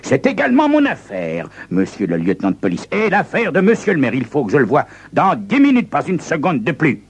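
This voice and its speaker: A man voicing a prim, haughty gentleman who speaks in a formal, smugly calm way. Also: a little high, brisk, slightly rough, pitched above the performer's own voice, full character voice. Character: prim, haughty gentleman carrying a ticking box.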